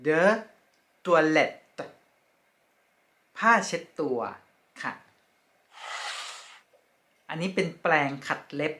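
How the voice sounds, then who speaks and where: A woman leads a vocabulary lesson at a very unhurried pace. She says each word slowly and twice, with polite closing particles. Her tone is bright and clear. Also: deep voice, lively intonation. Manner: slow, careful repetition of each word; polite, ends phrases with soft particles. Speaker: French teacher.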